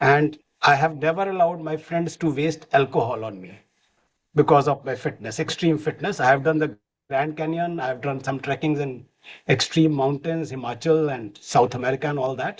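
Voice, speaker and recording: A man speaks in a normal speaking voice at a fairly high pitch. His pace is moderate, with ordinary pitch variation. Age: 60s. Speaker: doctor cyclist. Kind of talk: panel discussion.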